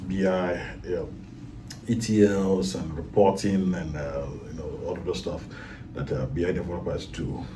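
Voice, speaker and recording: A man's voice: deep voice, steady tone, moderate pace, far from the mic, noisy background. A man from Cameroon, a guest in a casual talk, speaking with many fillers and restarts. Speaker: guest, IT project manager.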